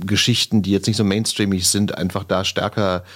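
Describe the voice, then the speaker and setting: Guy interviewing, relaxed probing questions, lowish voice. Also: a little fast. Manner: casual and probing, asks follow-ups.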